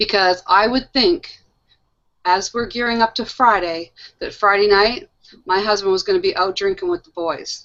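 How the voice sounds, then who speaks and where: A woman's fairly high voice, a plain, everyday voice, lively intonation at a moderate pace. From central Canada. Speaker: talk show host. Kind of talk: casual panel discussion. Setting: video call.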